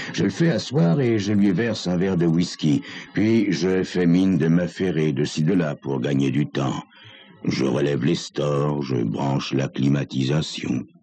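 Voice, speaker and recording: Using lively intonation, a man speaks at a very deep, low pitch and a fairly slow pace, with very even loudness. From France. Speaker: voice actor and actor. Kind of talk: radio crime story narration. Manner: first-person narration by a talent agent.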